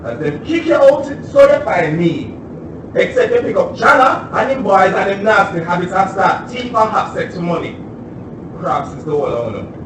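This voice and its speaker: A scornful, proud young trans woman with a Jamaican accent, played by a male actor, high-pitched and biting in every jab. The voice sits far from the mic in a very echoey space, with clear noise behind it, like a recorded stage performance. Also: very animated, moderate pace. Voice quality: biting, mocking delivery. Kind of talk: stage play excerpt.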